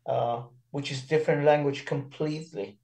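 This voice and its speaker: A man in his sixties, born in Iran and raised with Persian and Armenian as his first languages, speaks as an interview guest. His voice is mellow and dark, and he talks earnestly and haltingly, restarting his sentences often. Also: a little high, fairly even intonation, gravelly. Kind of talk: casual interview.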